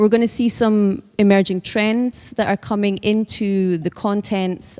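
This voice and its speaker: Recorded very cleanly against a silent background with a dry, close sound and no echo, a woman with a Scottish accent speaks at medium pitch. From Scotland. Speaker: wellness company CEO and conference speaker. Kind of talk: conference presentation. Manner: animated.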